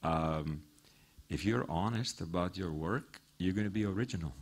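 A man's voice: low-pitched, moderate pace, husky. A middle-aged man being interviewed on a small theater stage, speaking earnestly into a handheld microphone before a live audience. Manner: earnest, warm encouragement, laughs easily. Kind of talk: onstage conversation and audience Q&A.

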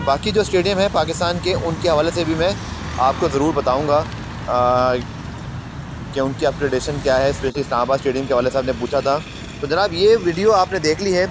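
A man's voice: mid-range voice, noisy background. A man with a Pakistani Urdu accent, talking casually and eagerly to his viewers as a sports journalist vlogger, often calling them janab. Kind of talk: casual commentary over outdoor footage.

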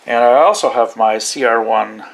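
A man's voice: medium pitch, moderate pace, gravelly, heavy background noise. A man casually demonstrating gear in a hobby vlog, rambling and thinking aloud as he goes. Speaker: radio hobbyist demonstrating receivers. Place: small indoor radio desk.

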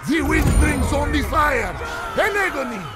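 An actor playing a grizzled, fierce desert-empire soldier in a video game, bellowing bombastic war cries and taunts in a gritty, strained voice. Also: male voice, very high voice, very animated, a little slow, exaggerated voice. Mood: fierce, triumphant. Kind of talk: shouted video game battle barks. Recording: game music behind.

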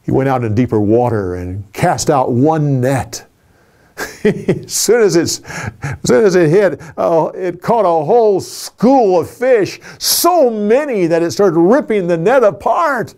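A man in his sixties telling a Bible story from memory in a studio, animated and expressive, with small restarts. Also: high-pitched, unhurried. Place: indoor studio with a curtain backdrop.

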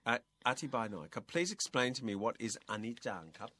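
A man's voice: mid-range voice, big pitch swings, moderate pace, a bit bright. A man co-hosting a casual bilingual radio chat, patiently explaining words and spelling them out letter by letter. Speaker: radio co-host teaching English.

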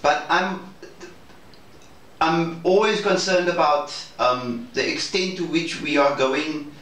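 A man's voice: fairly high pitch, slow, fairly bright tone. A man in an informal meeting, speaking carefully and hesitantly in broken phrases. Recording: very echoey, distant mic, faint noise.

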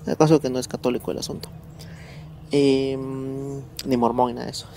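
A man telling a true story in a casual, halting way, often repeating words as he remembers. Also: medium pitch, flat delivery, dark tone, a little hiss or hum. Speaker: guest storyteller.

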